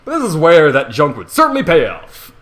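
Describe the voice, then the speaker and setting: A man's voice: on the high side, huge pitch swings, a little fast, fairly bright tone. A man narrating a comedic story theatrically, with irreverent, sweary asides. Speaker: amateur fan fiction reader.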